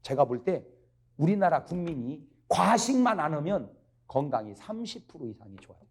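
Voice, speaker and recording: A man preaching a lively revival sermon, asking the congregation questions and climbing to emphatic peaks. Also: on the high side, normal speed, breathy edge. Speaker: pastor. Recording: archival broadcast of a revival meeting.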